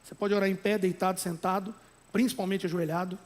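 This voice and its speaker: A Brazilian man preaching a sermon as pastor, emphatic, with conversational asides and tag questions, at times rising to loud exhortation. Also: high-pitched, level tone, fast talker. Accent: Brazilian Portuguese.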